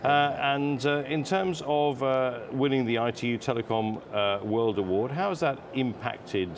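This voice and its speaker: A man's voice: medium pitch, measured pace, slight background noise. A man in his forties interviewing a guest at a conference, repeating words as he builds his questions. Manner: stumbling, repeating words while forming questions. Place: exhibition booth studio set.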